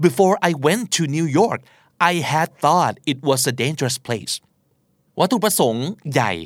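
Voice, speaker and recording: Male talk host, animated delivery, casual and slangy, dry studio sound. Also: mid-range voice, no echo. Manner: lively, conversational, slangy, with emphatic asides. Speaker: podcast host teaching English.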